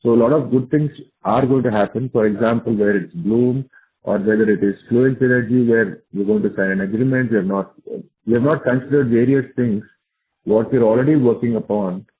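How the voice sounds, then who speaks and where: Speaking briskly in a medium-pitched voice, a man with an Indian accent fields investor questions as a company executive on a conference call. He restates his points for emphasis, and the audio comes through a narrow phone line.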